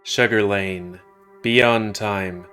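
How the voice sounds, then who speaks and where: A man's voice: fairly low pitch, steady tone, extremely slow, sharp tone, clear, resonant tone. A man giving casual, rambling and crude commentary while playing a video game. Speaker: gaming YouTuber. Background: game music.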